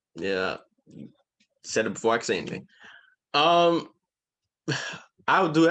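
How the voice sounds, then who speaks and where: A man mumbles at a moderate pace with lively intonation, leaving long, frequent pauses. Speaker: basketball podcast co-host. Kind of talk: casual chat. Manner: mumbling, stumbling.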